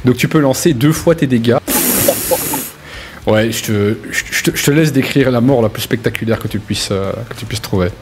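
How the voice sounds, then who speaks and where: A man's voice: mid-range voice, moderate pace, noisy background. A man running a tabletop role-playing game, narrating in an informal, hesitant but vivid way. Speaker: game master.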